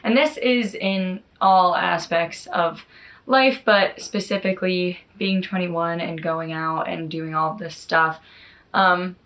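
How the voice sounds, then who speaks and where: Girl early 20s doing a chatty vlog, kinda lower voice, says like and you know a lot. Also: steady tone, slow pace, fairly bright tone. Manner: informal, peppered with "like" and "you know". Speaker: YouTube vlogger. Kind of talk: casual chatty talk to camera.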